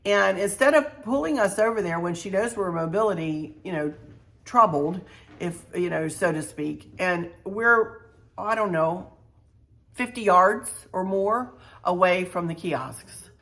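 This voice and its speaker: A woman's voice: lowish voice, measured pace, a bit bright. A middle-aged woman from Virginia, telling viewers a travel story in a chatty way, repeating herself and adding folksy asides. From Virginia, USA. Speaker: travel vlogger.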